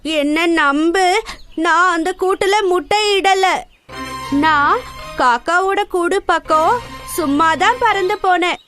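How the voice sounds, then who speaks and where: High, plaintive cuckoo bird. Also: female voice, slow, pauses often, a bit bright, soft background music, full character voice. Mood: defensive. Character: anxious, pleading female cuckoo bird, defensive and sorrowful. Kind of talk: children's cartoon acting.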